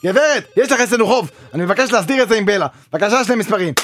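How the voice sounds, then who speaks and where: A man playing a brisk, dismissive clerk at a phone information desk in a comedy sketch. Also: high-pitched, expressive, a bit bright, slight background noise.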